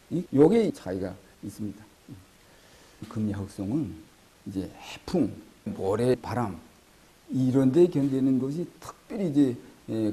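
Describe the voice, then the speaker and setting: A man's voice: medium pitch, mellow, poor audio. A man with a North Korean accent explaining his field as a researcher in an interview. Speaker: forestry researcher.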